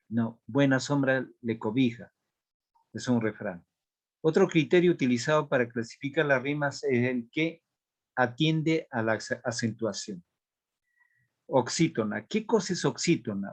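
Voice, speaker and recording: A man giving a literature lesson in a measured, explanatory tone. His voice sits at an ordinary middle pitch. He checks in with his students often as he walks them through the material. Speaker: teacher.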